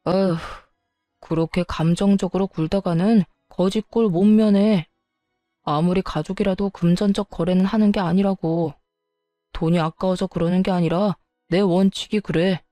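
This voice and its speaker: A woman's voice: fairly low pitch, steady tone, normal speed, mellow, no echo, soft background music, natural voice. A woman voicing a cold, stingy husband. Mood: lecturing. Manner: cold, lecturing. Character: callous stingy young husband.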